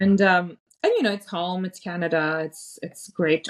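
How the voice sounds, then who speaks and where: A woman speaks at a moderate pace. Her voice sits fairly low in pitch. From Quebec, Montreal. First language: French. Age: 30s. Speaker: opera singer. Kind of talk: casual chat. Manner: animated.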